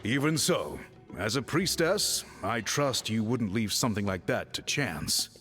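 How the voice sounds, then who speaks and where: A man's voice: on the low side, very animated, fairly bright tone. A man playing an earnest, deferential tribal priest who speaks formally and politely in a video game. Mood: respectful, earnest. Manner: formal, polite, measured wording. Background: background music.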